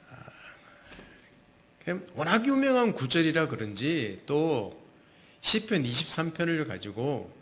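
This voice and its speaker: A male pastor giving a Sunday sermon in a relaxed, conversational way, with casual asides. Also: fairly high pitch, a little slow, pauses often.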